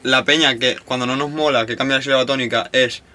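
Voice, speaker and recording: A young man chatting on a music podcast, his voice bright and forward. He talks in loose, slangy, enthusiastic bursts. The feel is relaxed and conversational. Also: mid-range voice, fast talker. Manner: slangy, enthusiastic, says "hermano" and "tío". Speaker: podcast co-host. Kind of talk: casual chat.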